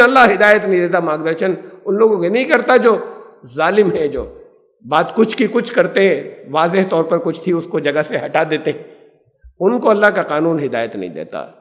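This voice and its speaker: A man's voice: fairly high pitch, a bit bright. A man teaching a Quran lesson as an Islamic scholar, explaining patiently and asking rhetorical questions. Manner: explanatory, poses rhetorical questions, mixes English terms. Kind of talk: Quran lecture. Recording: echoey hall reverb.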